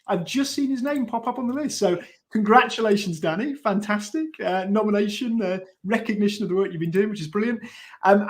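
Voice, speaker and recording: High-pitched man hosting a show. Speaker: show co-host. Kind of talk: upbeat live show announcements.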